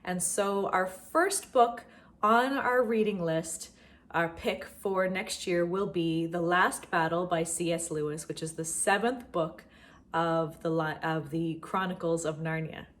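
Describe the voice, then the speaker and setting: Addressing her viewers directly, a middle-aged homeschool vlogger and channel host chats casually about books. Her voice sits on the low side and she takes an unhurried pace.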